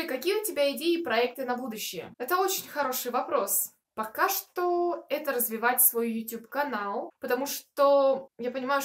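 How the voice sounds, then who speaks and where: Young woman, 21, high voice, chatty vlogger doing a q&a to camera. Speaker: video blogger answering viewer questions. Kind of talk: casual chat to camera. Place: small furnished room, indoors.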